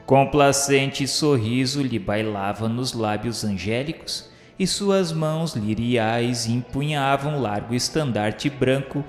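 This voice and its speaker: Set against music and a deep, echoing hall reverb, this solemn scripted radio drama features a male narrator telling a religious story. His mid-range voice is reverent and declamatory, unhurried to the point of being very slow, and the prose he reads is ornate and literary.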